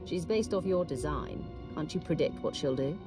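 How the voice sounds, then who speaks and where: A woman's voice: low-pitched, expressive, moderate pace. A woman voicing a blunt, sardonic female Sith warrior commander. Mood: dry, wry. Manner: dry, sardonic. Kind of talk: video game voice acting. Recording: music bed under the dialogue.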